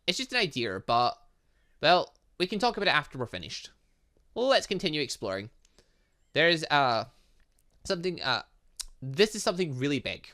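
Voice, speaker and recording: A man reading visual novel dialogue aloud as a gaming host, playfully breaking in with his own asides and reactions. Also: medium pitch. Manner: animated, interjecting, playful asides.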